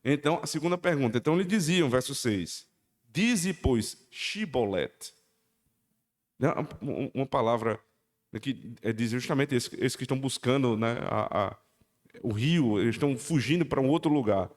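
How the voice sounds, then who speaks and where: A man preaching a sermon, animated, jumping between loud emphatic peaks and low quiet asides at a shifting pace. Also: moderate pace. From Northeast Brazil. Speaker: pastor. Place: church sanctuary. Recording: long hall reverb.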